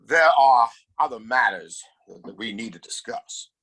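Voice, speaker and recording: Man acting a bright-voiced, haughty Western town boss. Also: mid-range voice, lively intonation, a little slow, poor audio. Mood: stern. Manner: condescending, commanding. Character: domineering, scornful wealthy father and town boss. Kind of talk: Western audio play acting.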